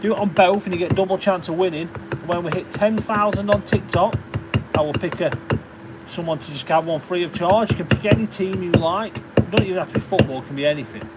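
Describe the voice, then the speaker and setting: A slightly high-voiced man with a Derbyshire accent talks casually to his livestream viewers from a workshop, reading out names and thanking them as he goes. Loud workshop noise, clicks and passing traffic sit behind his voice. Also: fairly quick. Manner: chatty, thanks viewers and reads out their names. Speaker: livestreaming stone carver.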